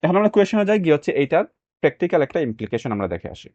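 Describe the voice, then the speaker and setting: A man's voice: on the high side, sing-song, racing, darkish tone, no echo. A man teaching a reading lesson in casual speech, dropping English phrases in as he explains. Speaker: IELTS reading tutor. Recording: dry, dull lo-fi sound.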